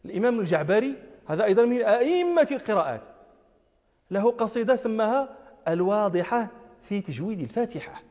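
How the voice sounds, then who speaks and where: A man lectures as a religious scholar, his voice sitting very high for a man. He speaks emphatically, circling back to repeat phrases and pressing his listeners with rhetorical questions. A long reverb trails his words around a large hall. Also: expressive, quick pace, a little mellow, highs cut off. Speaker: religious scholar teaching a lesson. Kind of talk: lecture on recitation and jurisprudence.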